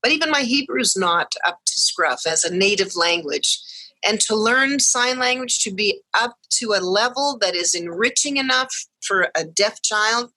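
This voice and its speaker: Woman guest, bright, forward voice, dry close recording, animated storyteller. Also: medium pitch, moderate pace, no room sound, poor audio. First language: English. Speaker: guest, mother of deaf twins. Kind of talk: podcast interview storytelling.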